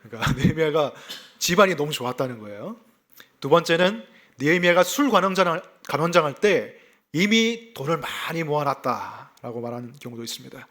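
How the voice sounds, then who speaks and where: A male pastor from South Gyeongsang with a faint Gyeongsang accent, giving a sermon in a lively, conversational way. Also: fairly high pitch, a little fast. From South Gyeongsang, South Korea. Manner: lively, conversational preaching with self-deprecating laughs.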